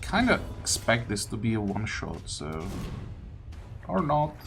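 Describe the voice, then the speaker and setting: A man's voice: fairly low pitch, wildly swooping pitch, unhurried, vocal fry. A man giving casual gameplay commentary, hesitant and thinking aloud as he plays. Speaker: gaming video host. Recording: loud game music underneath. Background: video game music.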